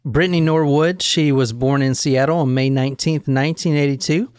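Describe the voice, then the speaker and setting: A man in his thirties hosts a casual true crime chat, walking his friends through a case with plenty of jokes at his own expense. His voice is smooth and clear and pitched a little high for a man. It is recorded close and dry. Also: brisk, darkish tone, no echo. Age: 30s. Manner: jokey, rambling storyteller with self-deprecating asides. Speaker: podcast host telling a true crime case.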